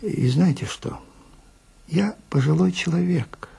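Casting: male actor as genteel male swindler, fifties, obsequious and plaintive, very husky and gravelly, radio storytelling. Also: a little high, slow, dark tone, voice pushed up, exaggerated voice. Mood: polite pleading. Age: 50s. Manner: obsequious, sighing, wheedling, self-righteous. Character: polite, plaintive 52-year-old male marriage swindler with dignified airs. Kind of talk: dramatic monologue, character dialogue.

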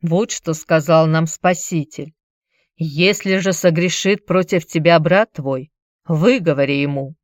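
A woman voicing a white-haired old apostle who speaks slowly and solemnly. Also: low voice, dry recording, studio quality. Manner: slow, solemn.

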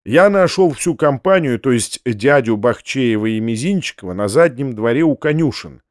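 A man's voice: medium pitch, expressive, moderate pace, dry recording. Man narrating a classic novel, dry and close. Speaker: audiobook narrator. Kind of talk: scripted literary narration.

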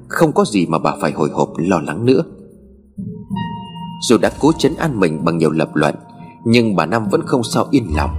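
A man reads a ghost story in scripted, dramatic narration. His voice sits low but moves with animated rises and falls. Clear music plays behind him. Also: big-room sound. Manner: measured, dramatic.

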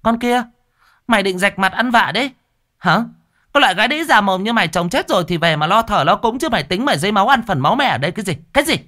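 A shrieking coarse village wife. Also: male voice, sits high, expressive, fast talker, sharp tone, voice pushed up. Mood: abusive. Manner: shrieking, wailing, coarse cursing.

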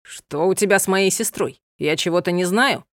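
A woman's voice: on the low side, moderate pace, no echo, clean studio sound, natural voice. A woman voicing a proud, stern young gypsy man who speaks coldly and curtly. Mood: angry. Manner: cold, curt and commanding.

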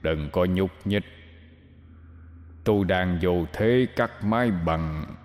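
A man voicing a creepy old male ghost barber with a deep, muffled voice that sounds like it comes from a cave, talking in a sinister whisper. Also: slow, big-room sound. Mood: menacing.

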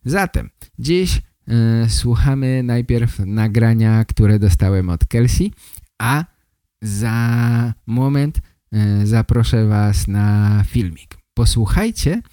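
Guy hosting a podcast, slow talker, close dry sound, doing an intro. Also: medium pitch, warm tone, dry recording. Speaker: podcast host and language teacher.

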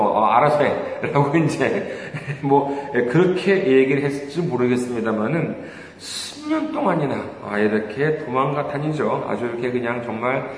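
A male pastor delivers a sermon in a lively, rising and falling voice, keeping it conversational with rhetorical questions and hesitant fillers. The sound is very echoey, with a long hall reverb and faint room noise behind. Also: medium pitch. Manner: hesitant with many fillers, chuckles while telling stories.

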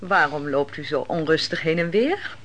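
An actress playing a shrewd, probing aide to a prophetess in a Dutch radio play, speaking in formal, articulate questions. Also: female voice, low-pitched, expressive, normal speed, fairly bright tone.

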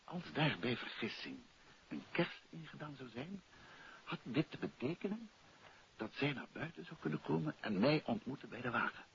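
A muffled vintage radio recording carries a suave male detective with a Netherlands Dutch accent. His mid-pitched voice moves in lively swings, staying polite, composed and assured in the manner of 1950s radio drama. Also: normal speed, gravelly, slight background noise. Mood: confiding, pensive.

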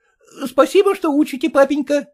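A man's voice: very high voice, moderate pace, voice pushed up. A man voicing a fussy, stingy, servile male clerk who mutters and answers deferentially to his father-in-law. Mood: fawning.

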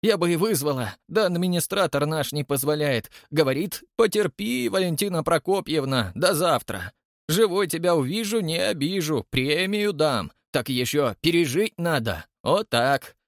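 A man voicing an elderly, frightened woman concierge who gossips and complains in a hushed, fretful way. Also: a little high, lively intonation, moderate pace, no echo, studio quality, voice pushed up. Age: older.

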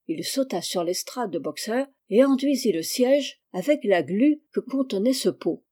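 A woman narrating a classic children's novel in a measured storytelling voice. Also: medium pitch, warm tone, breathy edge. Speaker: audiobook narrator. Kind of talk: scripted narration.

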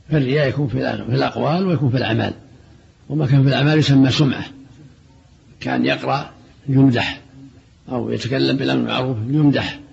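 Gravelly husky older man teaching scripture. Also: medium pitch, a little mellow. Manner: brisk, quoting texts then explaining plainly. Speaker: Islamic scholar explaining hadith. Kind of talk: religious lesson commentary. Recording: dull lo-fi archive recording.

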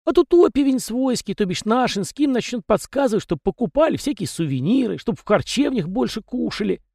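A man's voice: very high voice, big pitch swings, fairly quick, vocal fry, warm tone, no echo, studio quality, pitched above the performer's own voice, exaggerated voice. A man voicing a small, talkative male house spirit with rustic, folksy peasant speech. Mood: chatty folksy.

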